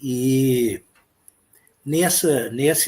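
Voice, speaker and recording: A man's medium-pitched, somewhat breathy voice has ordinary pitch variation. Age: 70s. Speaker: historian and writer. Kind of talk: interview.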